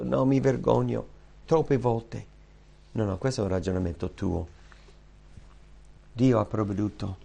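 A man preaching a sermon with impassioned, repeated rhetorical questions that swing from loud high outbursts to hushed low tones. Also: vocal fry. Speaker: pastor.

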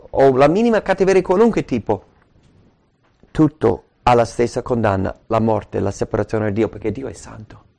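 A man's voice: fairly high pitch, a little mellow. A man preaching a sermon with emphasis, repeating key words and asking rhetorical questions.

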